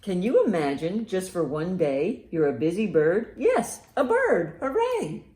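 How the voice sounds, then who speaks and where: A woman hosting a children's storytime in an animated, encouraging, sing-song way, with rhymes and picture-book reading. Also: on the low side, a little slow. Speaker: library storytime host. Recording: roomy, echoey indoor sound.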